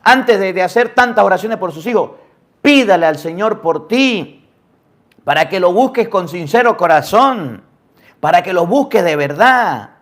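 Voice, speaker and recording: Emphatic priest preaching. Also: male voice, sits high, lively intonation, measured pace, a bit bright. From Venezuela. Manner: emphatic preaching with rhetorical questions and sudden drops to near-whispers. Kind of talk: sermon.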